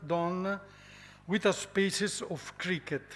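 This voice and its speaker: A man speaks with an Italian accent at a high pitch. His intonation stays fairly even. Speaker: museum foundation president. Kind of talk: prepared welcome speech. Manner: halting, reading prepared text.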